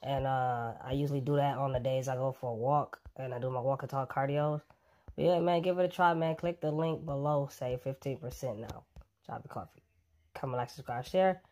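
A fitness vlogger casually pitching a coffee to his viewers, relaxed and chatty, with plenty of ums. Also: fairly quick.

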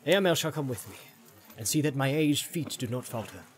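A man's voice: mid-range voice, lively intonation, fairly quick, voice pushed up, natural voice. A man voicing an aged, wronged but fearless king in a fantasy storybook. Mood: proud, grave. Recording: music behind the voice.

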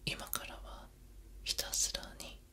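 A young man in a whispered role-play as a soothing hypnotist, speaking in a breathy whisper right in the listener's ear with repetitive, lulling suggestions. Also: slow. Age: young adult. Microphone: close binaural ASMR microphone.

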